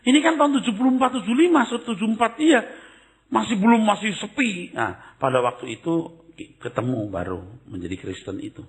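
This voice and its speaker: Animated older male preacher. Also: high voice, brisk. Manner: conversational preaching, swings from loud exclamations to hushed asides. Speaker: pastor. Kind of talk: sermon.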